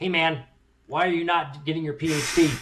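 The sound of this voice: Putting on a character voice, a man speaks at a fairly high pitch and a moderate pace. His intonation is monotone and flat. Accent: Chicago.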